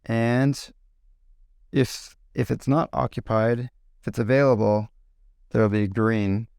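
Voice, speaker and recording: A man teaching a relaxed English lesson. His voice is gravelly yet smooth and resonant, and it sits close and dry on the mic. He explains slowly, with fillers and simple examples. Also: mid-range voice, no room sound. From California. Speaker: English teacher and podcast host. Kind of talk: casual spoken English lesson.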